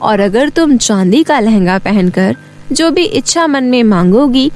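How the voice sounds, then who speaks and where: A woman's voice: a little high, expressive, measured pace, darkish tone, faint music behind. A woman voicing a helpful, reassuring enchanted talking garment in a fairy tale. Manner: reassuring, explanatory. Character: helpful talking magic skirts of gold and silver.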